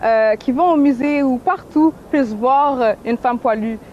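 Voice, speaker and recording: A woman's voice: high voice, normal speed, darkish tone, a little hiss or hum. Woman, 20s, Québécois accent, candid, laughs easily, muffled recording. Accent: Québécois French. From Canada. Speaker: interviewee. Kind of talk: casual interview talk.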